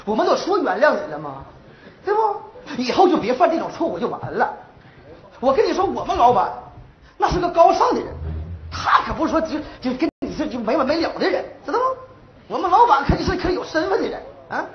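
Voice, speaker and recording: A man's voice: very high voice, sing-song, fairly quick. A young man, playing a brash, boastful boyfriend in a stage comedy sketch. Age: young adult. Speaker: daughter's boyfriend. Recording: roomy, dull stage recording.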